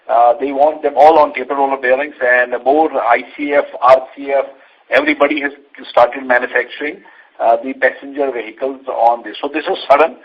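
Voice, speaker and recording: A man with an Indian accent, an executive giving unscripted answers on an earnings call in a halting way, often repeating phrases. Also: mid-range voice. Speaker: company executive answering investor questions. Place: conference call line. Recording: dull lo-fi conference call audio.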